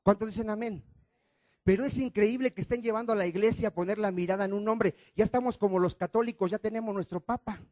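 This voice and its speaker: Fast and high-voiced, a male pastor preaches a sermon full of rhetorical questions aimed at the congregation. His delivery swings between loud, emphatic lines and quiet ones, with no room sound in the recording.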